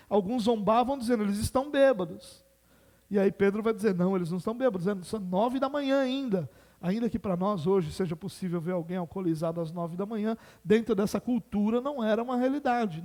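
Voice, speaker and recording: A man's voice: high voice, a little mellow. A man with a Brazilian Portuguese accent preaching an expository sermon as pastor, explaining patiently and posing rhetorical questions.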